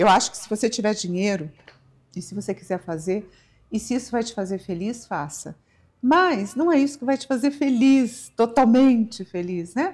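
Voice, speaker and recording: With lively intonation and big swings in loudness, a woman speaks at a moderate pace in a fairly high, somewhat breathy voice. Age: 60s. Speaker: spiritual teacher and tarot reader. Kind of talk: casual live-stream chat. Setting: live stream.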